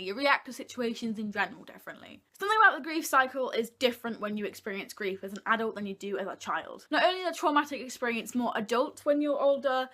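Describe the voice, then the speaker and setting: A woman's voice: fairly high pitch, fairly bright tone. A young woman, a video blogger, talking casually and informally to her viewers. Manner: informal, chatty. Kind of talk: casual talk to viewers, list format.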